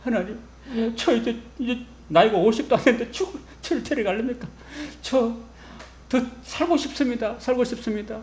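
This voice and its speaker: A man voicing a weeping king who pleads with God to live longer, his voice going high and strained. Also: moderate pace, reverberant. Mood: pleading. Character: tearful king begging God for more life.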